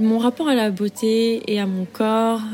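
A woman speaks at a very slow pace, her dark, mellow tone somewhat breathy. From France. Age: 20s. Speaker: interviewee. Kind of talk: testimony.

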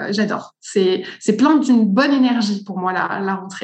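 The room echo is audible as a woman speaks at a very slow pace. Her voice is fairly high and somewhat breathy, with ordinary pitch variation. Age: 30s. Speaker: organisation and budgeting coach, entrepreneur. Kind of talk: casual interview chat. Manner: animated.

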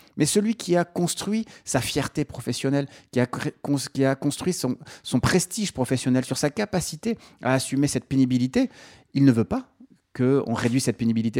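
Moderate-paced male speech with lively intonation and very even loudness, in a dry, close sound with no echo. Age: 40s. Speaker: sociologist and AI researcher. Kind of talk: interview. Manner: hesitant, many fillers.

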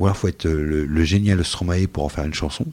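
A man talks fairly quickly, his very deep, low pitch moving with ordinary variation. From northern France (Douai area). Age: 50s. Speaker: community radio journalist. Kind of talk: casual interview. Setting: radio studio.

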